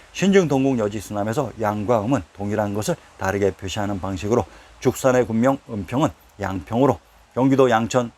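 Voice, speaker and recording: A man narrating a history lesson in a scripted, formal style, reading out lists of place names at a steady pace. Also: medium pitch, a little hiss or hum.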